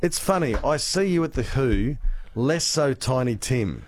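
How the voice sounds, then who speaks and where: A man hosting breakfast radio, bantering playfully with a gravelly voice. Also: medium pitch, lively intonation, measured pace. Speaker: radio host.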